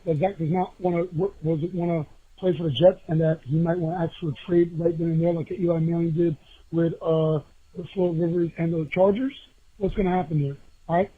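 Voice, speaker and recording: A man's voice: sits high, slightly rough. A man leaving a voicemail over a phone line, talking earnestly and wordily as a casual fan.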